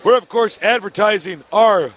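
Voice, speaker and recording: A hoarse man casting esports as co-host, joking and upbeat in an exhibition hall. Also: sits high, a bit bright. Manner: joking, upbeat, quick asides. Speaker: co-caster and host. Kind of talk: casual esports casting banter. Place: exhibition hall stage area.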